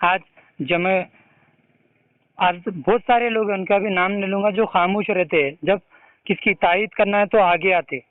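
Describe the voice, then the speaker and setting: High-pitched insistent Hyderabadi man on phone. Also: moderate pace, no echo. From India. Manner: insistent, accusatory, interrupting. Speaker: activist caller questioning a religious leader. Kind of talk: confrontational phone conversation. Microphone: phone call recording. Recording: tinny, narrow-band phone line.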